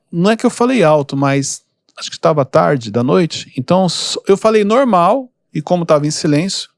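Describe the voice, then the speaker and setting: A calm man hosting a podcast, giving relaxed advice with lots of everyday examples. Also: high-pitched, no room sound, studio quality. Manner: calm, unhurried, gives examples. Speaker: podcast host and mentor. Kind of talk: casual advice talk.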